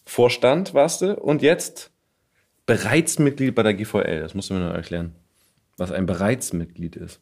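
A man with a somewhat low-pitched voice works as an interviewer. He puts questions and short comments in a relaxed chat style, as a podcast host does. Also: moderate pace. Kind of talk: casual conversational interviewing.

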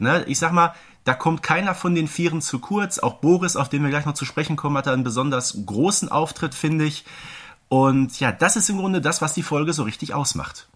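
A man's voice: fairly high pitch, fairly bright tone. Man in his thirties co-hosting a podcast. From Germany. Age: 30s. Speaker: podcast co-host. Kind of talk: casual podcast discussion.

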